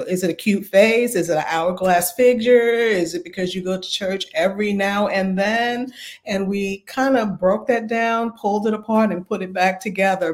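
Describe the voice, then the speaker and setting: Woman, slightly raspy, lowish voice, calm and measured, podcast guest. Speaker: pastor and relationship coach.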